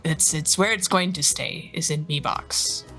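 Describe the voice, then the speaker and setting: A woman's voice: low-pitched, a little slow, sharp tone, faint music behind, full character voice, poor audio. A woman voicing a boastful, dim-witted pirate navigator who brags and stumbles over words. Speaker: player.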